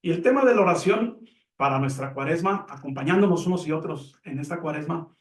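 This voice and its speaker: Calm man teaching in an echoey room. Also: fairly high pitch. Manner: calm, measured, explains with examples. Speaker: Catholic teacher on a program. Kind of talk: reflective religious teaching. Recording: echoey room, mic at a distance.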